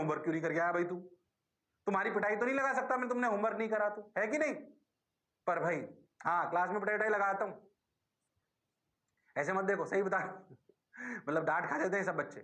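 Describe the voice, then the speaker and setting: A middle-aged man with a Rajasthani accent teaching physics in an online class, lively, answering his own questions in the students' voice. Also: high voice.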